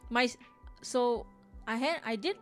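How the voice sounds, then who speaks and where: A woman's voice: a little high, a little slow, a bit bright, soft background music. A woman from Singapore hosting a live drawing stream, chatting casually, reading chat aloud and rambling with frequent restarts. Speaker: livestream artist host.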